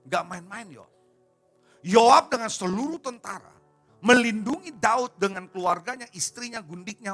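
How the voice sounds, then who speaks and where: A male pastor delivers a lively sermon, shifting between formal lines and slangy street talk. His voice sits very high and rings bright, and faint music plays behind him. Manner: animated, switching between formal preaching and slangy Jakarta-style asides.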